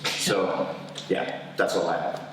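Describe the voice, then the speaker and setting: A man's voice: low voice, steady tone, slow pace, heavy background noise. A man from Norway with a Norwegian accent, hesitantly telling jokes he has written down. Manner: hesitant, many uhs, reading jokes. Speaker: amateur stand-up comedian. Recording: echoey hall, distant mic.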